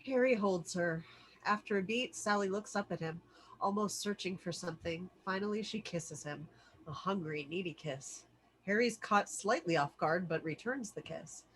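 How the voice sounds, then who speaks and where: A woman's voice: fairly low pitch, normal speed, a little hiss or hum, poor audio. A woman narrating the stage directions of a film script expressively at a virtual table read.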